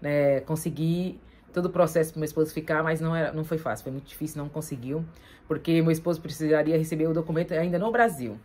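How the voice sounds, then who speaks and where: A young adult Brazilian woman chatting casually with her husband, speaking Brazilian Portuguese and tagging most sentences with a quick question. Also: sits low, darkish tone. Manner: chatty, frequent tag questions. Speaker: vlog host. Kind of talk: casual chat.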